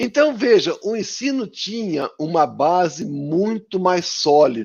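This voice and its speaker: In a Rio de Janeiro accent, a man speaks at a very slow pace in a high pitch with very wide pitch swings. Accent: Carioca Brazilian Portuguese. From Rio de Janeiro, Brazil. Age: 70s. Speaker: professor. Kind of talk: online panel discussion.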